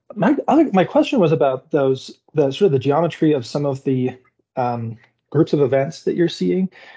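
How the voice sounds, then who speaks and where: A man talks at a moderate pace, his voice somewhat breathy. His pitch is fairly high, with ordinary variation. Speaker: scientist asking questions. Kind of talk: Q&A discussion. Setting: video call.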